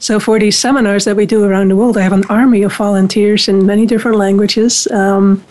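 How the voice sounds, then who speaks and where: A woman whose first language is Dutch, speaking English in an interview at a steady, measured pace. She explains things at length and pauses often on fillers, with a pitch that is neither high nor low. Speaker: director of a spiritual university. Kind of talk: conversational interview.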